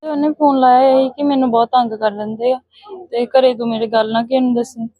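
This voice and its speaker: A woman's voice: a little high, steady tone, fairly quick, no echo, narrow, tinny audio. A Punjabi woman giving an urgent account in an interview. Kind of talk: interview answers.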